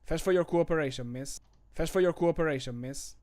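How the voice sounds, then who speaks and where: A man voicing a courteous, firm guard making an arrest in a video game, measured and authoritative. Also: a little high, darkish tone, natural voice. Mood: polite, firm. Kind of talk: game voice line takes.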